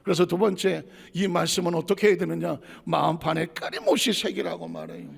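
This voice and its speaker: High, gravelly pastor in an echoing hall. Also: male voice, very animated, brisk. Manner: dramatic, acts out God's voice in shouts, swings from loud to hushed. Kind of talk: sermon. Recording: long reverb of a church hall.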